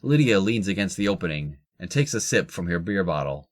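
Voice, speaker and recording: Casting: low-voiced narrator for scripted audio fiction, telling the action between lines. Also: lively intonation, a little fast.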